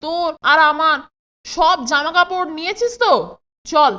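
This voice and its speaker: A woman's voice: very high-pitched, unhurried, pushed and bright, full character voice. A woman voicing an eager, bossy, impatient young boy in a children's cartoon.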